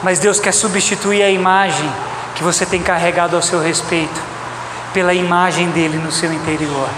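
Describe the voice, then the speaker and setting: His voice sitting high and his tone steady, a Brazilian man preaches at normal speed, pressing his points emphatically and repeating them to the congregation he addresses directly. The sound echoes through a church hall over loud background noise.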